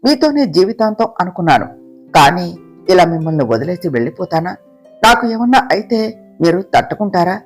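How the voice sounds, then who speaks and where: A storyteller voicing a frightened young wife who pleads with her husband through tears, soft guitar playing behind. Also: medium pitch, very animated, fairly quick. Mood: tearful. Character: tearful young pregnant wife, fearful and devoted. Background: soft guitar music.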